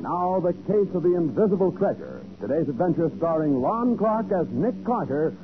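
A man's voice: fairly high pitch, big pitch swings, normal speed. A male announcer introducing the episode in a formal, declamatory radio style. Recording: dull old radio recording with music.

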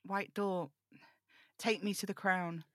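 A woman's voice: medium pitch, fairly even intonation, slow pace, dry recording, clean studio sound, close to an everyday voice. A woman playing a burdened, defiant young male broadcaster in an audio drama table read, snappish and sarcastic. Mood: anxious, resolute.

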